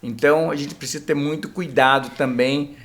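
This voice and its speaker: Speaking at a moderate pace in a slightly high, steady, a bit bright voice, a middle-aged Brazilian Portuguese-accented man guests on a casual podcast as a couples therapist. He explains things and frequently ends phrases with a filler tag, with a little hiss or hum in the audio.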